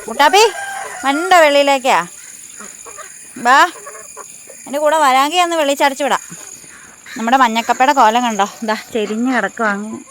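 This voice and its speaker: A middle-aged woman with a central Kerala Malayalam accent chats her way along a rural path in a casual vlog. Her voice sits high. She calls out fondly to chickens and other animals, with faint farmyard sounds behind her on a phone mic outdoors. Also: fairly bright tone, a little hiss or hum. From Thodupuzha, Kerala. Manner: chatty, coos and calls out to animals. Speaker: vlogger.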